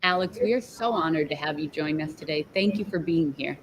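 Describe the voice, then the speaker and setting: A young woman anchors a student morning news program. Her voice sits fairly low for a woman. She reads her script and addresses the guest politely. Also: brisk, slight background noise, poor audio. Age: young adult. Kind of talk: scripted news reading and interviewing.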